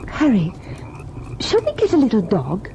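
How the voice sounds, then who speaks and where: A woman's voice: mid-range voice, wildly swooping pitch, moderate pace, warm tone. An actress playing a wistful, uneasy, girlish young wife in an old-time radio drama. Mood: wistful, playful. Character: uneasy, childlike young wife, affectionate and whimsical. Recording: muffled old radio recording, faint noise.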